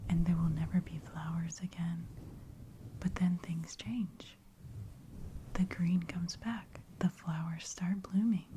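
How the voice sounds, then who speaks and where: Thirtysomething woman, gentle encouraging ASMR whisperer, slightly low voice, close mic. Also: slight background noise. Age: 30s. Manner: soft encouraging whisper with frequent fillers. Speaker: ASMR creator. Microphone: close studio mic with brushing.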